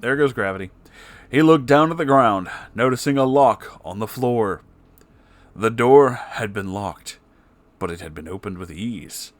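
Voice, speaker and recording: A man's voice: lowish voice, dry recording. A man narrating a comic fan story in a theatrical, mock-serious dramatic reading. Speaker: story reader.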